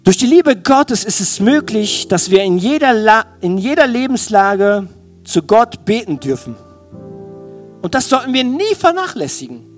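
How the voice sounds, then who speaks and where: A man delivers an informal sermon in a high-pitched voice. His intonation swings widely and animatedly as he talks straight to his listeners in everyday, colloquial wording. Music plays behind him. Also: sing-song, measured pace. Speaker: preacher. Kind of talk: sermon in informal youth language.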